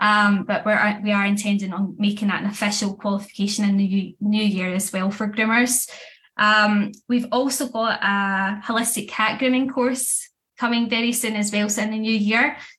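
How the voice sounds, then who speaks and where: In a Scottish accent, a woman with a fairly high pitch and a bright, sharp tone speaks at a moderate pace in a monotone, flat intonation and very even loudness. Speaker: pet groomer. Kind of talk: casual interview chat.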